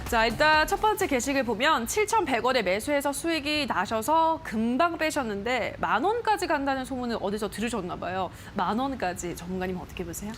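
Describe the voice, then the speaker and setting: A woman presenting a studio stock show with a somewhat high voice. She reads viewer posts brightly and chats with her guest, with light music running faintly behind her. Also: expressive, a little fast, few pauses.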